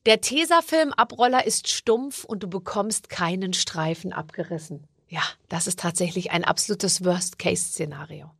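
A woman's voice: lowish voice, normal speed, vocal fry, few pauses, fairly bright tone, husky, no echo. A woman hosting a podcast, leading a casual chat with playful, teasing jokes. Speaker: podcast host.

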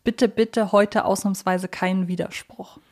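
Mid-pitched woman in casual chat. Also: steady tone, unhurried, a little mellow. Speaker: podcast co-host. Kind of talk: casual quiz chat about audio dramas.

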